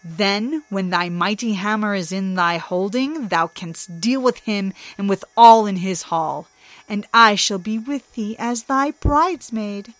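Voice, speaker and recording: A woman's voice: mid-range voice, a bit bright, dry recording, close to an everyday voice. A woman voicing a cunning, mocking male trickster god in a storybook reading, speaking in a sly, teasing way. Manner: sly, teasing, drawn-out mockery.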